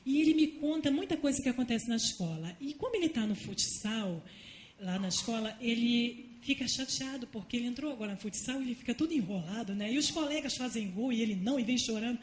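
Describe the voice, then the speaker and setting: Woman preaching in a church, pretty high voice, stories then loud fired-up appeals, echoey room with a little hiss. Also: animated, quick pace. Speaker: speaker at a women's church service. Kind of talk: sermon. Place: church hall.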